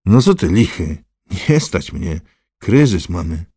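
A man voicing a rough, mocking middle-aged street fixer who jeers and swears. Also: low-pitched, sing-song, slow pace, mellow, no room sound, clean studio sound, heavily acted. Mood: cheeky. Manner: coarse, jeering, swearing.

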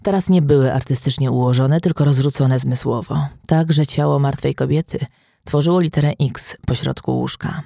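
Guy reading a crime novel out loud, steady and even, gravelly, dry close sound. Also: mid-range voice, normal speed, no room sound. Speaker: audiobook narrator. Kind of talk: scripted crime novel narration.

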